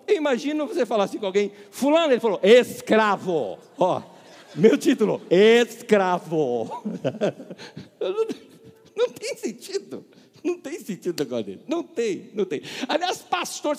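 Middle-aged male pastor, lively high voice, storyteller who acts out dialogue, booming church hall. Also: husky. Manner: animated storyteller, acts out dialogue, laughs at own jokes. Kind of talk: sermon with humorous anecdotes.

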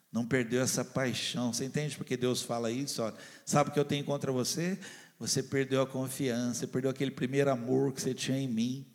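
A man with a Brazilian Portuguese accent preaching a sermon as a pastor, fervent, swinging between loud and hushed delivery, and acting out the voices he quotes. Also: mid-range voice. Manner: acts out the lines of people and God he quotes. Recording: long hall reverb.

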